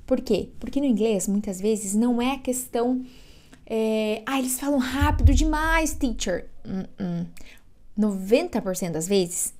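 A Brazilian woman in her thirties teaching an online English lesson. She says each word slowly, draws it out and repeats it, recorded on a webcam at a desk in a room at home. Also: on the high side, animated, darkish tone. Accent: Brazilian Portuguese. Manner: slow, drawn-out modeling of words, repeating each one.

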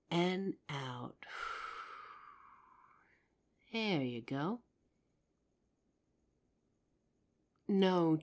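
A woman's voice: on the low side, darkish tone, heavily acted. A woman playing a loving, protective girlfriend in an intimate comfort roleplay, tender and earnest with some teasing. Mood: soothing. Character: loving, protective girlfriend reassuring her partner. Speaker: audio roleplay performer.

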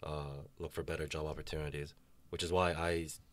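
A man's voice: very deep voice, little pitch movement, brisk. A young man, a university student, talking frankly and reflectively in a casual discussion, with some self-deprecating humor. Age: young adult.

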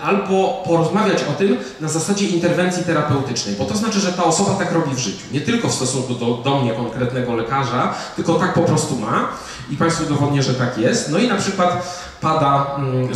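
A middle-aged man gives a public lecture in a museum hall, talking conversationally and checking in with his listeners. His voice sits a little high for a man. He is picked up from some distance, with a strong echo off the room. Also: a little hiss or hum. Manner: conversational, with fillers and rhetorical "prawda?". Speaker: psychiatrist giving a public lecture. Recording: echoey hall, speaker far from the mic.

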